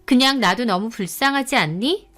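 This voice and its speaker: A woman voicing a shameless young woman who pushes the narrator calmly and boldly. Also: on the high side, moderate pace, faint music behind. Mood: brazen. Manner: cool, shameless, pushy.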